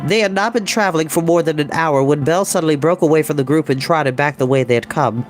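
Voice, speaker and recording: A man reading a children's fantasy novel aloud as an expressive storyteller. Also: fairly high pitch, quick pace, soft background music. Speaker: storybook reader. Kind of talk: expressive scripted narration.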